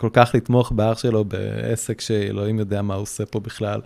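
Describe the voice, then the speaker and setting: A man in his thirties or forties, a podcast guest, talking casually and haltingly with many restarts. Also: fairly low pitch, flat delivery, gravelly, a little mellow. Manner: hesitant, many restarts and fillers. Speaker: guest, surfboard repairer.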